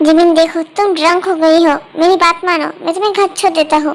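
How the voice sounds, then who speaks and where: The woman here uses a put-on character voice at an extremely high pitch. She moves at a fairly quick pace. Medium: audio drama. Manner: firm, then gentle and coaxing.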